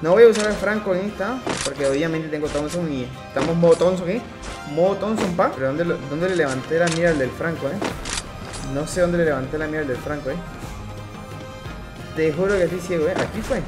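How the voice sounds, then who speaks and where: A man's voice: on the high side, brisk. A young man from Venezuela with a Venezuelan Spanish accent, talking through his gameplay in casual chat, hyping his viewers and tagging "eh" onto his lines. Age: young adult. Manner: chatty, hypes viewers, constant filler "eh". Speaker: gaming streamer. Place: small home room. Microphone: headset boom mic. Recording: game music behind the voice. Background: game music.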